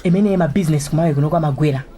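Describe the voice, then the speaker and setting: A woman's voice: low-pitched, rapid-fire, a little hiss or hum, close to an everyday voice. A woman with a Malawian accent playing a spirited, opinionated young student bantering in a radio drama. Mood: animated, opinionated. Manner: animated, bantering. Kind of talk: vernacular radio drama acting.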